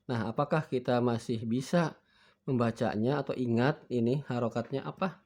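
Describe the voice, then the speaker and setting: A man's voice: mid-range voice, normal speed, a little mellow. A man teaching a beginner Arabic lesson, reading each word twice for students to repeat and acting out forgetting and looking up words. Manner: patient, acts out forgetting and finding words.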